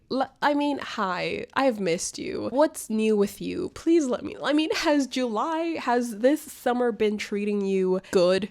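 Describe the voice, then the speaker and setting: Young woman rambling to her viewers, stuffy nose, sounds nasal and congested, keeps laughing. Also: mid-range voice. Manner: chatty, rambling, affectionate, laughs often. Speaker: booktuber vlogger. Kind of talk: casual life update vlog.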